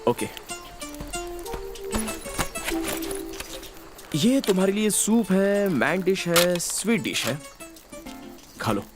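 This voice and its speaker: A cheeky young hero from a film, full of teasing banter. His pitch swings widely as he jokes, and film music plays behind him. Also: sing-song, a little slow. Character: playful young man who teases and rescues a woman. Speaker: film hero in a dubbed movie. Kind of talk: Hindi film dubbing.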